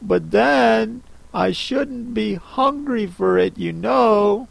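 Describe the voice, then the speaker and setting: A man's voice: sits high, creaky, dry recording, pitched above the performer's own voice, exaggerated voice. A man doing a polite, puzzled little girl. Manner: polite, cautious, soft and slow.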